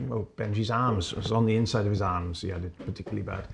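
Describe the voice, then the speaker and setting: A man speaks in a strong Welsh accent. His voice is fairly low and somewhat breathy. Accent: broad Welsh. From Wales, Ceredigion. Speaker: business founder. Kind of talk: interview.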